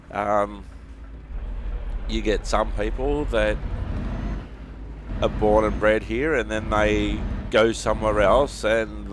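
Low-voiced Australian man over engine noise. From Australia (Western Sydney). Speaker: host of a truck simulator gaming series. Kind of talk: casual chat while playing a driving game. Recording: vehicle engine and road noise behind voice. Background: truck simulator game sounds, engine and road.

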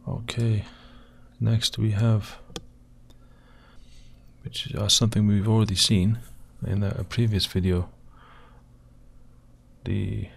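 Slow, croaky-voiced man narrating footage. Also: on the low side, flat delivery, slight background noise. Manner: hesitant, pausing often with fillers. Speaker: video host analysing footage. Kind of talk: slow screen-recorded commentary.

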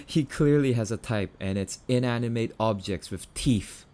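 A man's voice: mid-range voice, unhurried, mellow, close to an everyday voice. A man playing a grumpy, affectionate, easily spooked young catboy boyfriend in an ASMR roleplay, defensive and prone to stammering. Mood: teasing, reluctant.

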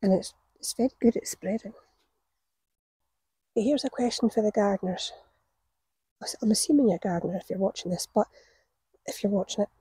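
A gardening vlogger in her forties chats casually to camera while working at an outdoor allotment, laughing at her own stories as she tells them. Her medium-pitched voice is mellow and husky. The camera sits on the ground a few metres away, and there's no room sound.

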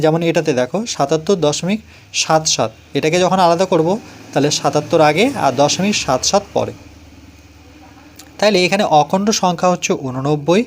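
A man with a Bengali accent teaching a primary-school math lesson, explaining each step patiently and reading digits out one by one. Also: a little high.

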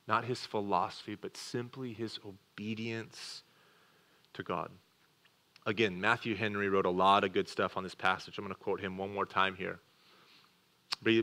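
A man preaching a sermon as a pastor, earnest, speeding through asides and slowing to quiet emphasis on key words, in a church. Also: on the low side. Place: church sanctuary.

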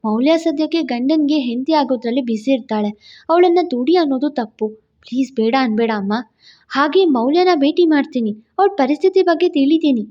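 A woman's voice: sits high, animated, a little fast, dark tone, lo-fi sound. A woman in her twenties voicing a weary, determined young single mother in a storybook drama, earnest and pleading. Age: 20s.

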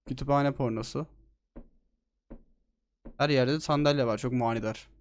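A man giving excitable, joking let's-play commentary on a horror game, swearing freely. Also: mid-range voice, normal speed. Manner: excitable, swears a lot, jokey. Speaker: gaming streamer.

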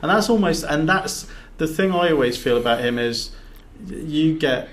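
A man's voice: fairly high pitch, lively intonation, moderate pace. Rambling man podcasting. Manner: rambling, many restarts and repeated words. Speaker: podcast co-host. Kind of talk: casual chat. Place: big echoey box used as studio. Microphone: sitting back from the table and mic.

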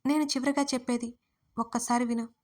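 A man's voice: extremely high pitch, fairly even intonation, a little fast. A woman voicing a young man in an audio story, pleading and insistent with the woman he loves. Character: young man Arjun, worried then pleading lover.

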